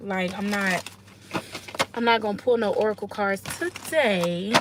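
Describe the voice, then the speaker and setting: There is noticeable background noise behind a woman's fairly high voice. She talks at a very slow pace with fairly even intonation. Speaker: tarot reader. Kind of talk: casual tarot reading livestream. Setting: outdoors.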